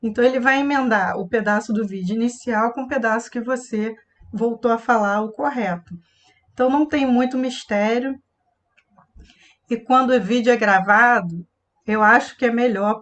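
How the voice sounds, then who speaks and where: Expressive woman voice coach, slightly high. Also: highs cut off. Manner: expressive, demonstrates tones of voice. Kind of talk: live online class.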